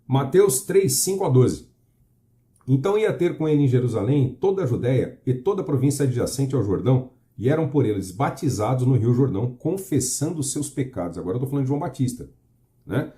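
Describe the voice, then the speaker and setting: A man's voice: mid-range voice, lively intonation, fairly quick, mellow. A Brazilian man preaching earnestly to camera, asking the listener questions and reading scripture with emphasis. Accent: Brazilian Portuguese.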